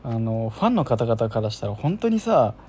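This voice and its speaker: A man's voice: mid-range voice, sing-song, moderate pace, dark tone, faint music behind. A man hosting a casual solo chat show, rambling and self-deprecating with lots of filler words. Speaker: podcast host.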